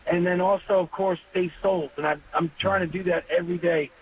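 A man in his fifties calling in to a radio show, talking earnestly and haltingly, with many pauses and fillers. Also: high voice, fairly even intonation, slight background noise. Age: 50s. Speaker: caller. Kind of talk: phone-in call to a radio show. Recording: dull phone line.

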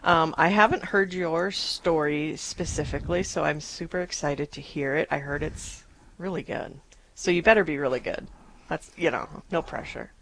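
An upbeat woman hosts a live radio fundraiser in a chatty way. Her voice sits a little low for a woman. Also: normal speed, a bit bright, poor audio. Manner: upbeat, chatty, repeats the phone number.

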